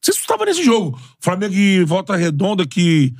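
A man hosting a casual podcast chat, animated and laughing, shouting out crowd chants as he recounts old matches. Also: sits high, a little fast. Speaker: podcast host.

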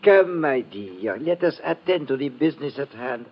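A man's voice: mid-range voice, lively intonation, moderate pace, lightly acted. A man playing a menacing crime boss in a 1950s radio drama, formal and courtly. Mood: courtly menace. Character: smooth, menacing foreign male crime boss. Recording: noisy, dull vintage radio recording.

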